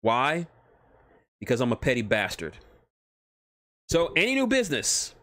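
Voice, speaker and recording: A man's voice: medium pitch, huge pitch swings, measured pace, bright, forceful tone, dry recording, clean studio sound, heavily acted. A man voicing a brash, petty restaurant boss who is glib and whines when challenged, in a comic story reading. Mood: smug.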